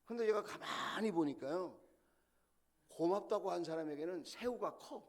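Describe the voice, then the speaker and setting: A man's voice: sits high, animated, normal speed. A middle-aged male senior pastor delivering a sermon, telling stories with animation and putting questions to the congregation.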